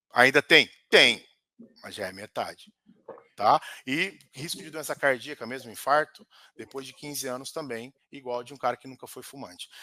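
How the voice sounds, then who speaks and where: This man has a bright, sharp tone at medium pitch, talking at a moderate pace with long, frequent pauses. His loudness swings widely, and the sound is dry and close with no echo. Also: ordinary pitch variation. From interior of São Paulo state, Brazil (Barretos). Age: 40s. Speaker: pulmonologist. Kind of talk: podcast interview.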